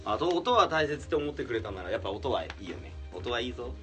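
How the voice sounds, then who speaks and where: A man co-hosting a podcast in casual chat, an animated storyteller who laughs often. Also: mid-range voice, quick pace, music in the background. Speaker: podcast co-host.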